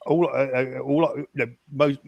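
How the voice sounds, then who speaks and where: A man's voice: medium pitch, steady tone, moderate pace, creaky, no room sound, lo-fi sound. Older guy, stammers a lot, cheery, dry close sound. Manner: hesitant, stammering, upbeat. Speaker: guest. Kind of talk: casual chat.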